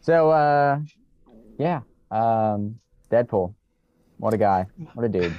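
A man's voice: fairly low pitch, lively intonation, slow pace, a little hiss or hum. A man co-hosting a casual podcast over a video call from his basement, talking with hesitant restarts. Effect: video call audio. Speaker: podcast co-host. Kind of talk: casual chat. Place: home basement. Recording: dull lo-fi dry video call.

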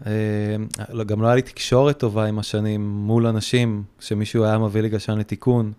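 A man in his thirties or forties, a podcast guest, talking casually and haltingly with many restarts. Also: on the low side, level tone, warm tone, clear, resonant tone. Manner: hesitant, many restarts and fillers. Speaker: guest, surfboard repairer.

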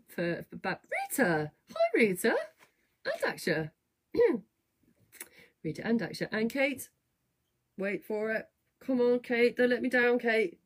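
A woman hosting a fitness studio livestream, chatting casually to viewers in a slightly croaky, rough voice, rambling with lots of fillers. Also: mid-range voice. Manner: chatty, rambling, self-deprecating, many fillers. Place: home, at a desk. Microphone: webcam or computer mic at a desk.

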